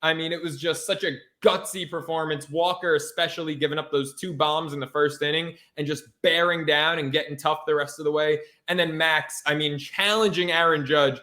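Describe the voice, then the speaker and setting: A man's voice: a little high, fairly even intonation, fairly quick, hardly any pauses, sharp tone. A man co-hosting a sports podcast in a casual chat, brash and emphatic, swearing freely. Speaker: podcast co-host.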